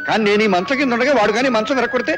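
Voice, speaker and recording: An actor playing a boastful, lecherous older village priest in a film comedy, bragging and then whining in fright. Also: male voice, extremely high pitch, very fast.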